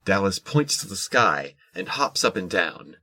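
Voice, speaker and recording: A man narrating a scripted audio drama in a measured, descriptive storytelling manner. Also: deep voice, very animated, pushed and bright, no echo.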